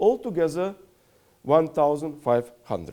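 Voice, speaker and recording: A man with a Latvian accent speaks at a fairly slow pace in a dark, mellow tone. The recording is very clean, with a silent background. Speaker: ambassador. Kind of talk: lecture. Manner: reading aloud; halting.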